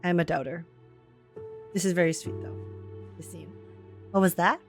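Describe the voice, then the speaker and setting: A woman reacting casually to a game on stream, giggly and excitable, with slang and swearing. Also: fairly low pitch, normal speed, creaky, music in the background. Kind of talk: casual gaming reaction commentary.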